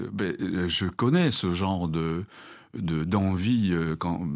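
The speaker talks in a Japanese accent with ordinary pitch variation. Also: man, very clean recording, silent background. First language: Japanese (speaking French). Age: 70s. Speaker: novelist and French teacher. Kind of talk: interview. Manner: halting, with many hesitations.

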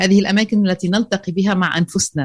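The voice is somewhat breathy and carries an Arabic accent. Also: woman. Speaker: radio host. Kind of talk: interview.

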